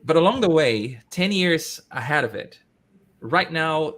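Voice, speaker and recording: A man, hosting a casual interview in English, talking in an animated way with frequent restarts. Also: fairly high pitch, unhurried. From Brazil. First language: Portuguese. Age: 30s. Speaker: host.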